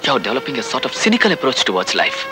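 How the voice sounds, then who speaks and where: Polite employee quitting, earnest, music under it. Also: male voice, mid-range voice, huge pitch swings, slow. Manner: respectful, earnest advice. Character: loyal employee resigning to his boss. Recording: film soundtrack under background music.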